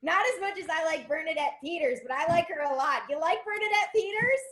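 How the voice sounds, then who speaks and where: An actress playing an overly chatty young woman at a bus stop who talks loudly and overshares in a sketch reading. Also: very high-pitched, lively intonation, fairly quick. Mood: gushing. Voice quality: loud, oversharing, breaks into song. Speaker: actor in a sketch. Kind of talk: virtual staged reading of a comedy sketch. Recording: roomy echo.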